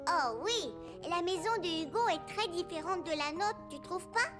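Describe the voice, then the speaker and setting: A woman's voice: very high-pitched, expressive, moderate pace. A woman voicing a curious, cheerful four-year-old boy in a cartoon, asking eager childlike questions. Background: music.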